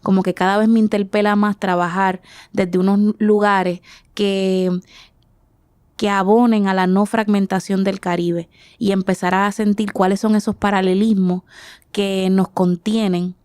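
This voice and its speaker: A woman in her forties, born in the Dominican Republic, speaks as an artist guest. Her voice is smooth and clear, recorded dry and close. She pauses and restarts as she reaches for ideas. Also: medium pitch, little pitch movement, darkish tone, no echo. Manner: thoughtful, searching for words, frequent restarts. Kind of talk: reflective interview answers.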